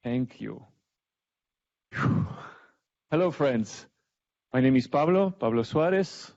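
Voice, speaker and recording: A middle-aged man with an Argentine accent speaks to a panel audience in a relaxed, self-mocking way. His voice has a gravelly edge. The recording sounds dull and lo-fi. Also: medium pitch, slow pace. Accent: Argentine Spanish. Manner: self-deprecating, conversational. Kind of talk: public talk with slides.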